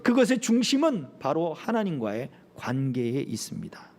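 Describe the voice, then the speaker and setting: A middle-aged man preaching as pastor, with a fairly high voice that leaps and drops through wide swings. He delivers the sermon animatedly, slipping into the voices of people he quotes. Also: huge pitch swings, normal speed, gravelly, a little mellow.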